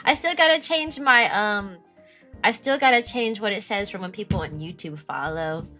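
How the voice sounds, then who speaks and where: A young woman streaming live, chatting casually with her viewers and answering their messages. She talks and giggles in a high voice. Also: normal speed, sharp tone, faint music behind. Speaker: VTuber streamer.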